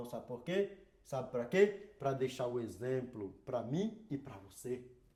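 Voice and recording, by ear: A hoarse, put-on character voice from a man at medium pitch, moderate pace, very wide pitch swings and a slight echo.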